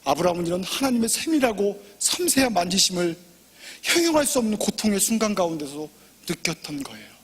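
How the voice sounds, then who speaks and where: A man preaching a sermon as pastor, impassioned and personal, swinging from loud pleading to hushed near-whispers. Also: high-pitched, big pitch swings, fairly quick, husky, in a large hall. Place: church sanctuary.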